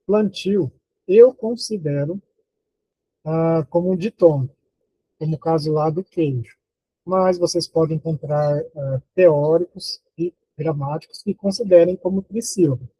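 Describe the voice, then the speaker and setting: A Brazilian Portuguese-speaking man teaching an online phonology lesson, slow and deliberate, counting syllables aloud and asking his students rhetorical questions. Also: a little high, dark tone, husky, no room sound, rough recording. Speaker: university teacher.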